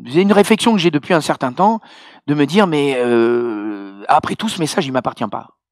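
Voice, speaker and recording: Animated French-speaking male pastor. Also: fairly high pitch, normal speed, no room sound, studio quality. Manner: hesitant, many fillers and restarts, animated storytelling. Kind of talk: sermon with personal testimony.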